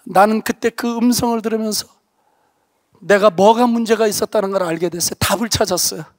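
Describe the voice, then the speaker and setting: Male pastor, high register, dry close sound; earnest testimony-driven revival preaching, sudden hushed emphasis. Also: steady tone, brisk, no room sound. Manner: earnest, emphatic storytelling, drops to a hush for stress. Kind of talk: revival sermon with personal testimony. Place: church revival meeting.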